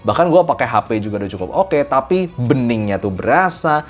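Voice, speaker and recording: A man from Indonesia giving a casual, animated spoken review of audio gear, mixing in English phrases. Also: medium pitch, fast, soft background music.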